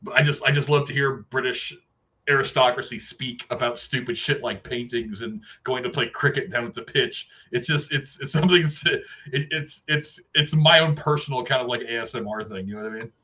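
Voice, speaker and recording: A man's voice: medium pitch, brisk, pushed and bright, lo-fi sound. A man co-hosting a casual movie review podcast, rambling and repeating himself as he talks and reads trivia. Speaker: podcast co-host.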